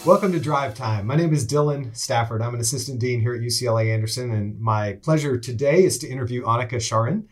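Man hosting a university podcast. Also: mid-range voice. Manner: warm, enthusiastic introductions with fillers. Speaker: podcast host, assistant dean. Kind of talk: podcast interview.

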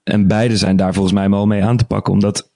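A man's voice: fairly low pitch, flat delivery, fairly quick, mellow, dry recording, studio quality. A man co-hosting a game podcast in casual chat, talkative and full of restarts and fillers.

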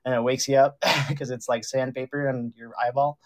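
A man's voice: mid-range voice, flat delivery, moderate pace. A man co-hosting a radio show, teasing his partner in casual, joking chat. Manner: teasing, playful banter. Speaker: radio co-host.

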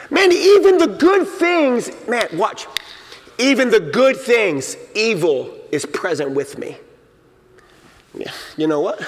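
Pastor guy preaching, pretty high voice, big echo tail from the church hall. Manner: emphatic preaching, acts out inner voices. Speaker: senior pastor. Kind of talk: sermon. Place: church sanctuary.

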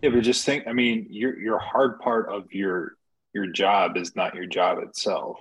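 A man's voice: lowish voice, fairly even intonation, unhurried, fairly bright tone, husky, low-quality recording. A man co-hosting a podcast, rambling and joking in casual chat, full of filler words. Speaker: podcast co-host.

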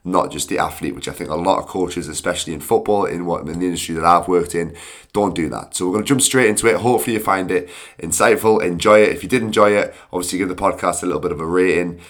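Croaky, quick-talking male podcast host. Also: sits low. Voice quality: croaky, creaky starts, hay fever hoarseness. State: hoarse from hay fever. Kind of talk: casual podcast intro and chat.

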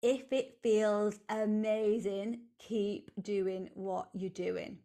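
A woman hosting a podcast, giving a slow, earnest and repetitive motivational talk. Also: medium pitch, level tone, mellow. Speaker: podcast host, coach. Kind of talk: reflective solo motivational talk.

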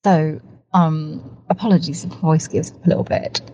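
Recorded in a parked car, this casual voice message comes from a podcast co-host with a cold. Her voice is low, steady and mellow at a normal speed, and she rambles eagerly, piling up words for emphasis. The sound is lo-fi with slight background noise.

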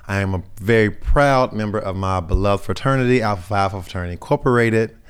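A young man with a very deep, resonant voice, roughened into raspiness by a sinus infection. He talks earnestly as an interview guest, choosing his words with care. He leans on fillers and restarts. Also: fast talker. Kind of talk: casual conversational interview.

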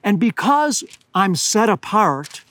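An older man preaching a sermon outdoors at high altitude, slightly hoarse, earnest and deliberate, slowing down to stress key words. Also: big pitch swings, fairly bright tone. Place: outdoors among pine trees at high altitude.

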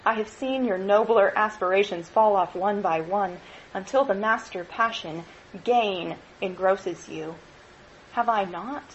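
Gentle, grieving young woman, soft and steady , a woman reading her part, faint ambience. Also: medium pitch, unhurried, muffled recording, a little hiss or hum, natural voice. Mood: sorrowful.

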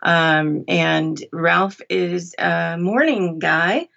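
A woman's voice: lowish voice, drawn-out words, vocal fry, a bit bright, dull audio. A middle-aged woman speaking conversationally as an interview guest about her work. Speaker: interview guest, audiobook narrator.

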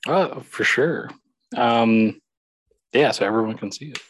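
A man's voice: medium pitch, unhurried, fairly bright tone, slightly rough, dry recording. A young man co-hosting a podcast, teasing and playful in casual chat. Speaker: podcast co-host.

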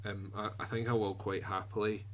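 A man co-hosting a hobby podcast, chatting casually and quietly with frequent restarts and fillers. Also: lowish voice, flat delivery. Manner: soft-spoken, halting, full of restarts. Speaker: podcast co-host and miniature painter. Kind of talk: casual chat.

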